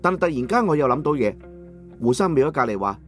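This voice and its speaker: A male audiobook narrator with a Cantonese accent tells a story in the first person. His voice is on the higher side for a man, with expressive, dramatized delivery. Faint music plays underneath. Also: fast talker.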